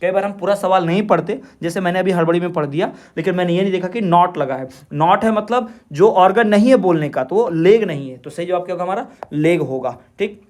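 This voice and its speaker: A man with a fairly high voice leads an exam-prep lesson as a teacher. He reads each English question slowly, then explains it and says the answer several times so it sticks. The pace is steady and instructive, like a coaching class tutor. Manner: repeats questions and answers to drill them.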